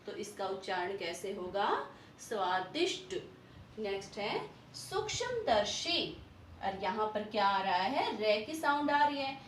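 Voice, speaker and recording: A woman's voice: mid-range voice, very animated, slight background noise. A woman teacher explaining spelling and pronunciation, asking questions and answering them herself, drawing out the words she models. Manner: slow, drawn-out model pronunciations. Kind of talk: Hindi spelling and pronunciation lesson. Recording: echoey room, voice from a distance.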